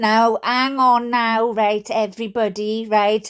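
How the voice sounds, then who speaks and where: A woman with a Welsh accent speaks very slowly at a fairly high pitch, in a very clean recording with a silent background. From Wales. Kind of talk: humorous story reading with casual commentary.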